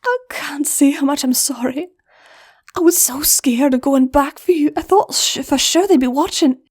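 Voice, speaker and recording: A woman's voice: high-pitched, normal speed, pitched above the performer's own voice, lightly acted. Brusque goblin big sister with a put-on lilt, voiced by a woman narrator. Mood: rueful. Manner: brusque, teasing, softens to whispers. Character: tough older-sister female goblin mare.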